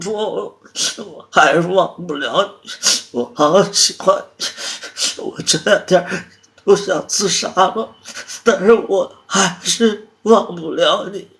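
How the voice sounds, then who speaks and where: A man's voice: high voice, drawn-out words, pauses often, voice pushed up, heavily acted. A man voicing a tearful, clingy young woman who pleads with her partner over the phone, stammering through sobs. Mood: tearful pleading.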